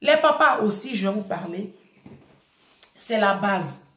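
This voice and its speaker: A woman from Africa speaks to her audience in a casual, storytelling monologue. She is emphatic and animated, turns to her listeners directly and repeats her points for weight. Her middle-pitched voice rings in a noticeably echoey room. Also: measured pace. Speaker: community speaker giving parenting advice.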